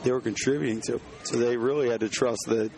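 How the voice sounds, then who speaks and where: A hoarse man, a home builder, answering interview questions on site with many restarts and fillers. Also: mid-range voice, fairly even intonation, fast, a little mellow.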